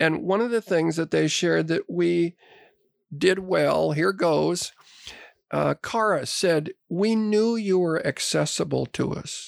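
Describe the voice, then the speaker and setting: In a very clean, dry recording with a silent background and no echo, a man speaks at a very slow pace. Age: 70s. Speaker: retired pastor and co-host. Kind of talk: casual conversation with scripture reading.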